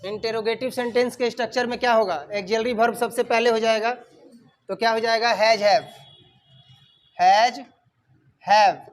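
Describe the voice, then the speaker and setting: A man's voice: very high-pitched, steady tone, moderate pace, long pauses. A male teacher teaching English grammar in a classroom, calling on students and dictating sentences word by word. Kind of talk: classroom lesson. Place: classroom with a whiteboard.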